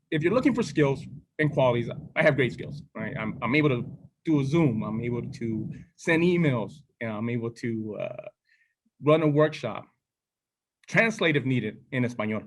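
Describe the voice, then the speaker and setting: A man's voice: mid-range voice, noisy background. A man from Arizona giving an upbeat campaign speech for a board seat, joking lightly and restarting phrases. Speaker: board candidate.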